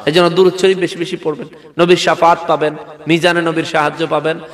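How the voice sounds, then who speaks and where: A man with a regional Bangladeshi Bengali accent preaching a lively sermon and calling on the crowd to respond out loud. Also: a little high, fairly quick, long reverb tail. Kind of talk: animated sermon with dramatized quotes.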